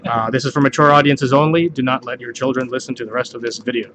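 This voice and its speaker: A man's voice: medium pitch, steady tone, quick pace, fairly bright tone, a little hiss or hum. A man reads party jokes aloud in a casual way, hosting a home video and sometimes stumbling over the text and rereading lines.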